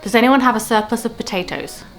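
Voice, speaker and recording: A woman's voice: fairly high pitch, lively intonation, quick pace, gravelly. Chatty woman over background music. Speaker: host of a cooking vlog. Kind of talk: casual cooking vlog narration.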